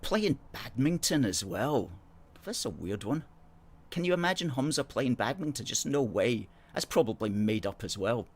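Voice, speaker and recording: A middle-aged man born in Hong Kong, speaking with an educated Scottish accent, hosts a livestream and answers viewer comments in a chatty, sardonic style. His mid-range voice is husky, with lively intonation and a moderate pace.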